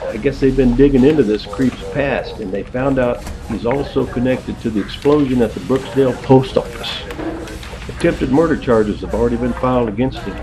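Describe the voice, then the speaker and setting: Male actor as an audio drama investigator, medium pitch, conversational, explanatory, wry, music underneath. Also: moderate pace, natural voice, poor audio. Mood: serious, informative. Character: male investigator briefing a colleague, wry and impressed.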